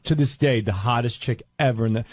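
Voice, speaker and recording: Man, average pitch, close dry sound, radio panelist, informal banter. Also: a little fast, darkish tone, no echo. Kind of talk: casual banter.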